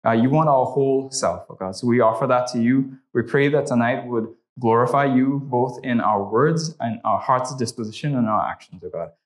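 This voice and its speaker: A man's voice: medium pitch, normal speed, few pauses. A young man from Trinidad and Tobago with a Trinidadian accent, teaching a church class and leading a prayer, talking conversationally with many "right?" tags.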